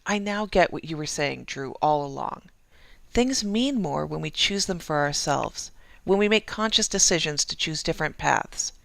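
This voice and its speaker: A woman's voice: deep voice, animated, moderate pace, vocal fry, no room sound. A woman playing an earnest, naive, quirky young woman in an audio drama. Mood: resolved. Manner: earnest, declarative.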